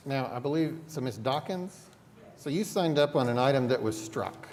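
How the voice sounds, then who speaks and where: A man's voice: medium pitch, expressive, moderate pace, a little mellow. Friendly man chairing a council meeting. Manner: friendly, joking, lightly teasing. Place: council chamber. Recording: reverberant council chamber.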